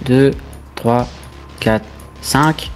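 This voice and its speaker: A man's voice: medium pitch, very slow. A man chatting casually and in slang as a player in a tabletop role-playing game. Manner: slangy, informal. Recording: music laid under the voice. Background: background music.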